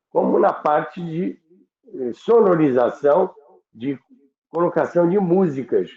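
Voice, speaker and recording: A Brazilian man hosting a reminiscing talk, halting and repeating words as he searches for them, on a roomy, dull recording. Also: mid-range voice. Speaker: host of a radio history show.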